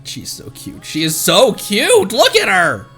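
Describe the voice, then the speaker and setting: A woman's voice: mid-range voice, wildly swooping pitch, measured pace, a bit bright, slightly rough, faint music behind. A woman streaming a game, chatting casually in a playful, reactive manner.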